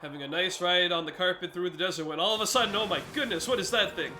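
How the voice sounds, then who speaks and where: A man's voice: sits high, fast, sharp tone, faint music behind. Congested young man explaining a boss fight. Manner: explanatory, guiding viewers step by step. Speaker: gaming commentator. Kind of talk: let's play commentary.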